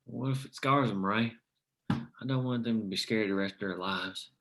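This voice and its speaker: A man acts out a troubled leader of striking coal miners in a drama table read. His voice sits very low, crackles with fry and has a forceful edge. He is devoted to his family and carries the burden of command. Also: moderate pace. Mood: worried, guilty.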